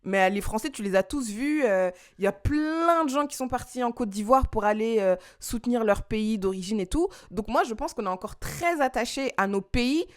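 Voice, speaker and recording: A woman from France co-hosting a podcast in casual chat, talking in quick rushes with colloquial slang. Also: a little high. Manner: animated, talks fast in rushes, colloquial slang. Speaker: podcast co-host.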